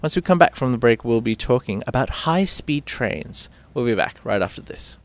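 A male morning show host with a British accent, reading the news loosely and chatting in between. His voice sits mid-pitch, and he keeps a casual, self-mocking manner full of ums and restarts. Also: animated, normal speed.

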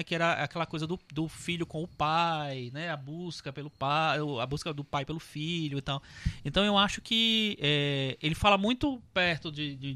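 Man with a bright, slightly high voice musing about films, lots of um and sei lá, dry close sound. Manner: hesitant, thinking aloud with fillers. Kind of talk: casual film discussion.

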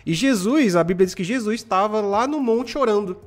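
A Brazilian man in his twenties hosting a live stream, telling stories in casual, slangy, animated motivational chat. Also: sits high, a little fast. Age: 20s.

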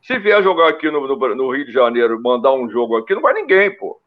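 A man in a casual panel talk, telling animated stories about football and listing old players. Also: mid-range voice, a little fast. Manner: animated storytelling, lists names. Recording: dull lo-fi recording.

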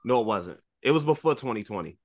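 A man's voice: medium pitch, expressive, fast, over a noisy crowd. A man with an African American accent in casual, slangy sports talk as a podcast co-host, insistent and often repeating himself. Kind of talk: casual sports chat with friends, slangy and profane.

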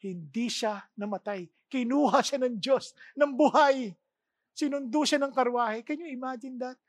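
A woman preaching a sermon, telling the story with lively, animated delivery and slipping English phrases into her talk. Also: high voice, normal speed, no room sound.

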